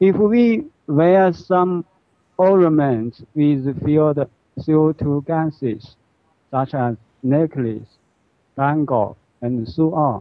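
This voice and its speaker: A man with a Chinese accent talks at a fairly high pitch with lively intonation. His pace is very slow, broken by long, frequent pauses. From China. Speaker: audience member asking a question. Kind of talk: question in live Q&A. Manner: halting.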